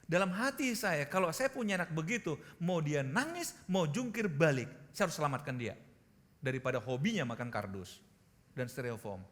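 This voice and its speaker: A man preaching a sermon as pastor, animated and putting questions to the congregation. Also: on the high side, moderate pace, long reverb tail. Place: church.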